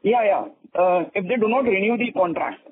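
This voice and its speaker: An Indian-accented man phones in as a questioner on an investor call, polite and a little hesitant. His voice is high and rough-edged. The line is tinny and dry. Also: normal speed. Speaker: caller asking questions.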